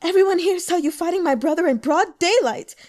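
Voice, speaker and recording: A woman's voice: very high voice, a little fast, darkish tone, pitched above the performer's own voice. A woman voicing a grieving, furious young woman in an audiobook, with accusing outbursts demanding vengeance. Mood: anguished fury.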